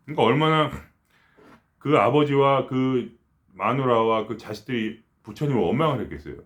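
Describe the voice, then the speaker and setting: A middle-aged man giving a casual spiritual talk, rambling and conversational, with frequent restarts and quiet murmured asides. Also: mid-range voice, lively intonation, unhurried, pauses often. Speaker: spiritual teacher.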